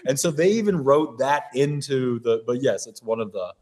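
Blunt, animated man chatting as a guest. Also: mid-range voice, normal speed. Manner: blunt and animated, mimics other people's voices. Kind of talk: casual podcast chat.

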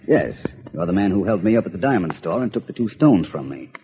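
An actor playing a suave, composed detective with a dry, ironic manner, in 1940s radio-drama style. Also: male voice, deep voice, big pitch swings, quick pace, slight background noise. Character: suave urbane male detective. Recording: dull old radio recording.

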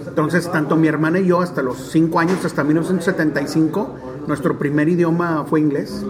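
A man in his forties from Monterrey with a northern Mexican accent, telling stories in an interview in a chatty, animated way with many fillers. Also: fairly high pitch, brisk, crowd noise. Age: 40s. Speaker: stadium DJ and announcer. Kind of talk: relaxed storytelling interview.

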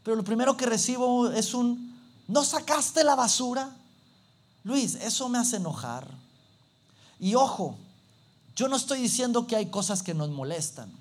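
A man preaching a sermon, animated and acting out little everyday scenes. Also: high voice, normal speed.

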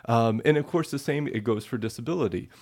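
A man's voice: mid-range voice, quick pace, a little mellow. A man being interviewed as a researcher, explaining ideas patiently with simple everyday examples and often checking in with "right?". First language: English. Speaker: guest researcher.

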